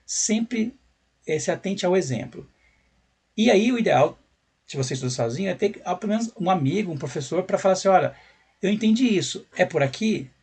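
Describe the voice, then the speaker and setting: Husky Brazilian teacher explaining patiently. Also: male voice, sits high, expressive, brisk, a little mellow. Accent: Brazilian Portuguese. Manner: conversational, rhetorical questions, frequent tag "né". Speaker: English teacher. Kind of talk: explanatory video lesson.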